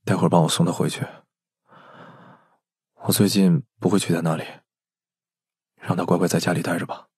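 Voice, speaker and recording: An actor in an audio drama playing a brooding, withdrawn elder brother and gang boss, terse and subdued. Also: male voice, low-pitched, flat delivery, brisk, long pauses, darkish tone, husky, dry recording, studio quality. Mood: grim, subdued. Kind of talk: Chinese audio drama acting.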